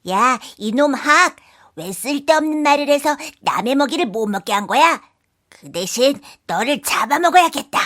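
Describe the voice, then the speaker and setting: Storybook fox, played by a woman, bullying and demanding, hot-tempered, fairly high voice. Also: animated, normal speed, a bit bright. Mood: angry. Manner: blustering, demanding. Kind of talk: children's folktale character voice.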